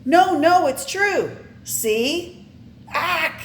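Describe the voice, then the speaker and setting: A woman's voice: medium pitch, expressive, measured pace, slight background noise, close to an everyday voice. A woman voicing a flustered male chemistry professor from a comic book, exclaiming in alarm. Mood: frantic.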